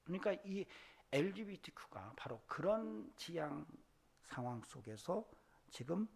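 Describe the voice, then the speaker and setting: Male pastor, husky gravelly voice, preaching from hushed lows up to loud impassioned peaks. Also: sing-song, a little slow. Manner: builds from hushed, low asides to loud, high-pitched exhortation. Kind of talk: Sunday sermon. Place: church sanctuary.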